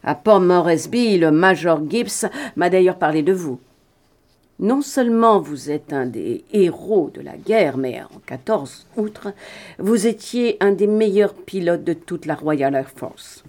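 A woman's voice: fairly low pitch, lively intonation, slow, a little mellow. A woman voicing a cold, menacing male hijacker in a read-aloud adventure story, with a cutting, threatening delivery.

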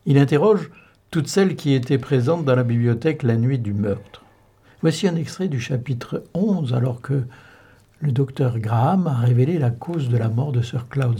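A man's voice: mid-range voice, warm tone, husky. A man introducing an audiobook excerpt in a formal presenting manner. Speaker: announcer.

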